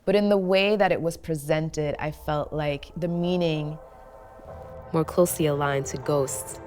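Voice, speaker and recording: A woman's voice: low voice, steady tone, a little slow, darkish tone. A woman who grew up in Belgium, a writer and translator, speaking thoughtfully in a documentary interview. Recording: clear music underneath.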